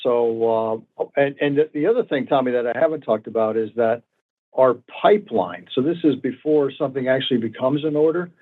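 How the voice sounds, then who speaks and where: A man's voice: mid-range voice, fairly quick. A man, a company executive, answering analysts on an earnings call in a confident, emphatic way, repeating points for emphasis. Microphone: phone conference call. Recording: tinny narrowband phone conference line.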